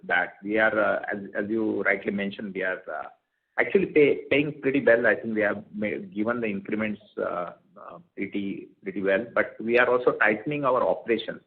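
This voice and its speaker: Male company executive, lowish voice, hesitant and repetitive phrasing, narrowband earnings-call phone audio. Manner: halting, hesitant phrasing with repeated words. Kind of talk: answering questions on an earnings call. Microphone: telephone conference call. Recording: tinny narrowband conference phone line.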